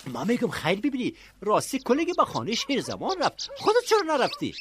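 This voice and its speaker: A man's voice: very high voice, huge pitch swings, noisy background, heavily acted. An actor playing a folksy, good-hearted Afghan village man in a radio drama, effusive and colloquial, full of blessings and pet phrases. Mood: effusive, admiring.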